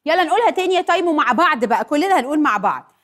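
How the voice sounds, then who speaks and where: Encouraging Egyptian kids' presenter, sing-song, brisk. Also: female voice, high voice, lively intonation, fairly bright tone. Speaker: children's show presenter. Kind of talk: teaching children.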